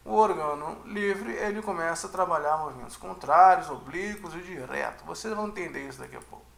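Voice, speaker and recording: Chatty high-voiced man teaching music. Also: a little fast, vocal fry, a bit bright, roomy sound. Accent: Brazilian Portuguese. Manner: chatty, checks in with "né?" and "tá?". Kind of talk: casual explanatory lecture.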